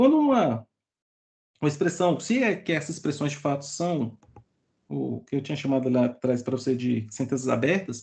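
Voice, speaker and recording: A man's fairly high, somewhat breathy voice with ordinary pitch variation and long, frequent pauses. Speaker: thesis committee member. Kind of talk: academic thesis defense feedback. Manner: fast.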